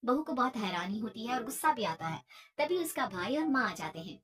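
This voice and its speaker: A woman narrating a cartoon story in a slightly high voice. Her delivery stays plain and steady. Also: fairly quick, slightly rough.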